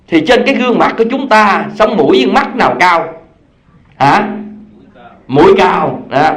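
A male Buddhist teacher giving a dharma talk, telling parables and asking his listeners questions. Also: fairly high pitch. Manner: storytelling, asks the audience questions.

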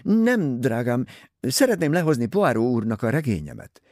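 A man's voice: medium pitch, very animated, a little mellow, no room sound, clean studio sound, pitched above the performer's own voice. A man voicing an overbearing, self-pitying older woman novelist who talks insistently and complains.

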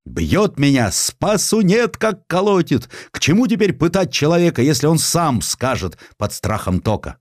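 A man's voice: on the high side, sing-song, moderate pace, few pauses, no echo, studio quality, pitched above the performer's own voice. A male narrator voicing an eccentric gendarme general obsessed with electricity, crying out frantically. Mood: frantic excitement.

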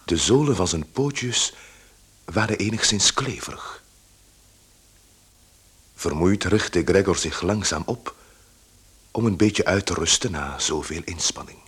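A man narrating a literary radio play in measured, unhurried phrases. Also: deep voice, expressive, a bit bright, slight background noise.

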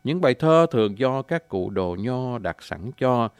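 A man giving an informal spoken lecture. He politely addresses his listeners and fills pauses with drawn-out "à" sounds. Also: medium pitch, expressive, darkish tone, smooth, no room sound. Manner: frequent drawn-out "à" fillers between phrases. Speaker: presenter explaining folk singing.

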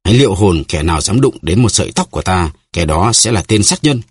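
A man reading aloud and voicing a scheming young woman villain who shouts and pleads in a raised voice. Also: animated, quick pace, slightly rough, dry recording. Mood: defiant. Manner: shrill, frantic shouting and pleading. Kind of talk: audiobook character reading.

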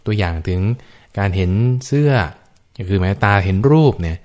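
Low-voiced monk, patient explainer. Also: male voice, animated, normal speed. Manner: patient explaining, frequent soft fillers. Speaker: Buddhist monk. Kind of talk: radio Dhamma discussion. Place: radio studio.

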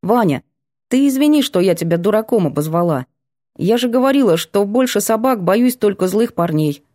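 A woman's voice: mid-range voice, expressive, warm tone, no room sound, clean studio sound, voice pushed up, natural voice. A woman voicing a bookish, stubborn young female student who teases and protests in a chirpy manner. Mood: apologetic. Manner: chirpy, teasing, quick to protest. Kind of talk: audiobook character voice.

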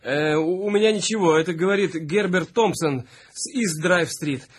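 A man's voice: fairly high pitch, moderate pace, slightly rough. A man acting in a radio drama as a worried, loyal friend who talks earnestly and anxiously. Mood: anxious, hesitant.

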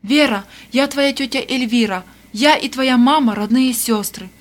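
A woman reading an audiobook voices a middle-aged aunt in black who speaks softly through tears. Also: on the high side, moderate pace, close to an everyday voice. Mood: tearful. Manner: soft, tearful, gentle. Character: grieving woman in black, stern then tender aunt.

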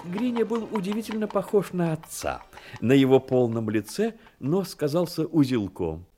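Expressive male storyteller with swooping intonation. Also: fairly high pitch, moderate pace, noisy background. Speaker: narrator of a radio play. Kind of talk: scripted literary narration.

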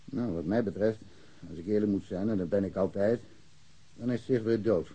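Husky, chatty village policeman. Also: fairly low pitch, moderate pace, warm tone, rough recording. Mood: blunt, confident. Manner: talkative, colloquial, opinionated. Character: chatty, blunt village policeman, worldly-wise and sure of himself. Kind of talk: naturalistic radio drama dialogue.

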